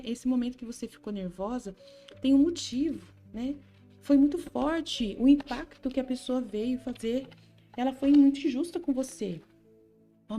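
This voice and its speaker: A woman speaking as Jesus, a gentle male divine figure, in a tender, reassuring way with her own voice. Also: fairly high pitch. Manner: tender, reassuring, addresses listener by name.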